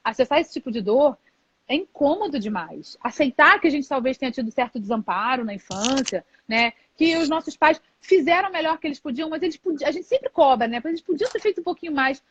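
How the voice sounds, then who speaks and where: A woman's voice: sits high, lively intonation, brisk. A woman, hosting a live stream and talking candidly as a mother, tucking "né" into her sentences. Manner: reflective, candid, many filler "né". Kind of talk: casual conversation on a live stream. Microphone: video call. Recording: dull, dry lo-fi live-stream audio.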